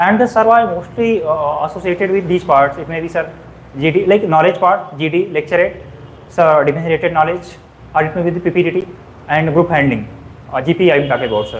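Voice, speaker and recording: Very fast speech from a high-pitched man with ordinary pitch variation, over noticeable background noise. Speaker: defence job candidate. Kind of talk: mock job interview. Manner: hesitant, many fillers.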